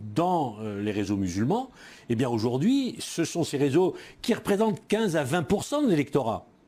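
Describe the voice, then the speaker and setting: A man with a fairly high voice speaks at a moderate pace, his pitch swinging very widely over music in the background. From France, Paris suburbs (Sarcelles). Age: 60s. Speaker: former politician. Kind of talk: TV interview. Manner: hesitant, repeats words.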